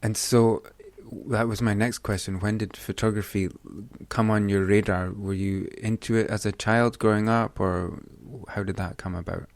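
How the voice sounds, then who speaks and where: Gravelly low-voiced male podcast host. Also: fairly even intonation, moderate pace, no echo. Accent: Scottish. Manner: eager, chatty, with restarts. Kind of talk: podcast interview.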